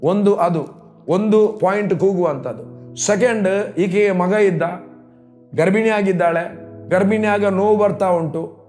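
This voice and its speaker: A man's voice: sits high, a little slow, a little mellow, soft background music. A man preaching a sermon as a pastor, telling a story and acting out quoted pleas.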